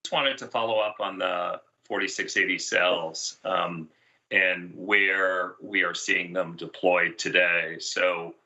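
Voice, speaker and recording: A man's voice: low voice, steady tone, takes it slowly, pushed and bright, muffled recording. A male analyst putting a formal, prepared question on a conference call.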